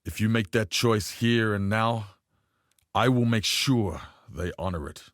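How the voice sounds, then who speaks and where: A man playing a proud, honor-bound tribal warrior in a video game, speaking in a solemn, formal, measured way. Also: on the low side, no echo, studio quality, close to an everyday voice. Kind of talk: video game character acting.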